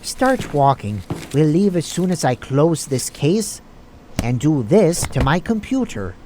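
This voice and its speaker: A man acts out a villainous doctor for an audio drama. He gloats with smug, theatrical menace, his pitch swooping widely. Noticeable noise and clicks sit behind the voice. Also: sing-song, a little slow, darkish tone. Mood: coolly threatening. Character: gloating villainous male doctor, drug addict and schemer. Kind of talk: amateur audio drama acting.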